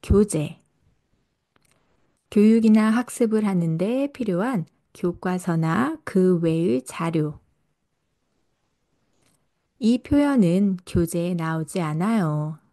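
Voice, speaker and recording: A woman reading a scripted podcast lesson for language learners, speaking slowly and carefully. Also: on the low side, mellow. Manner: slow, careful delivery for learners. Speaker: Korean language teacher and podcast host.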